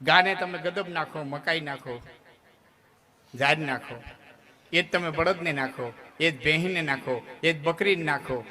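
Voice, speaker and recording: Speaking a little slowly in a sharp, higher-leaning voice, a folk storyteller with a Kathiawadi Gujarati accent entertains a live stage audience with humorous folk tales. He keeps it chatty and jokey, regularly checking in with listeners, while the crowd can be heard in the background.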